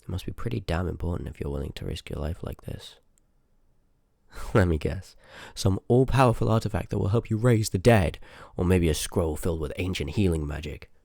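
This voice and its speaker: A very low-voiced, gravelly sorcerer, acted by a man, talks straight to the listener in a fantasy audio roleplay. He is rude and curious, full of sarcastic banter and muttered asides. The sound is close and very dry, with no room around it. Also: expressive, moderate pace, darkish tone, no room sound, exaggerated voice. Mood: businesslike, then teasing, sardonic. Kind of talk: ASMR audio roleplay acting, addressed to the listener.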